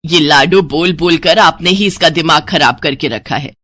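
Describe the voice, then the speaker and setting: A woman's voice: sits low, normal speed, fairly bright tone. A woman playing a scolding middle-aged mother. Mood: exasperated. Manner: scolding, exasperated. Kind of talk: storybook voice acting.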